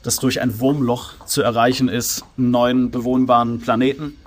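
A man's voice: mid-range voice, flat delivery, moderate pace, slight background noise. A man co-hosting a podcast, telling a film plot in a rambling casual chat with many fillers. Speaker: podcast co-host.

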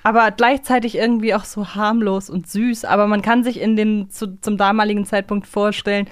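A woman's voice: mid-range voice, level tone, fairly quick, no room sound. A young adult woman co-hosting a podcast in a casual, reflective, conversational way. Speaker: podcast co-host. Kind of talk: casual fan podcast chat.

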